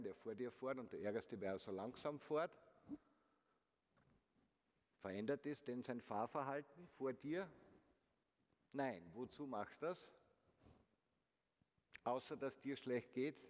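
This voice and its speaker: The keynote speaker's voice is medium-pitched and darkish as he delivers a motivational conference talk, addressing listeners directly and frequently posing rhetorical questions. He's on a large concert hall stage, captured with long hall reverb and faint noise.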